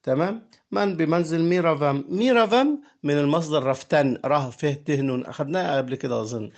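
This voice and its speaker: A man's voice: a little high, lively intonation, quick pace. Egyptian man teaching a grammar lesson. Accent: Egyptian Arabic. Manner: explaining step by step, repeating forms, checking with "تمام؟".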